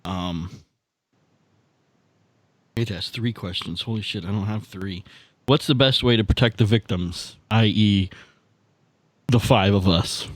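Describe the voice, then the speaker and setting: Low-pitched man playing a tabletop game. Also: measured pace, long pauses, dry recording. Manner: informal, thinking aloud, swearing. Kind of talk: casual game-table chat.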